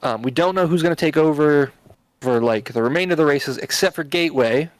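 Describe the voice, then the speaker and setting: A man's voice: fairly high pitch, fairly quick, no room sound, low-quality recording. Podcast host guy, casual rambly chat, lots of ums, dry close sound. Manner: rambling, filler-heavy explaining.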